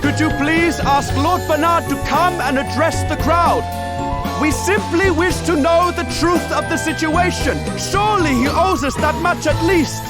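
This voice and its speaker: Earnest townswoman, very high voice. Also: measured pace, loud music behind the voice. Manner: formal, pleading. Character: earnest, polite female townsperson petitioning a lord. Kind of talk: video game voice acting.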